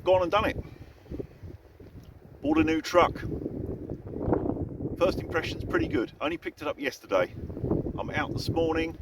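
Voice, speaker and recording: A man's voice: fairly high pitch, lively intonation, moderate pace, long pauses, far from the mic. A man vlogging casually outdoors, talking into gusty wind that buffets his voice. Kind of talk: casual outdoor vlog chat. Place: outdoors on a windy open marsh. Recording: gusty wind noise on microphone.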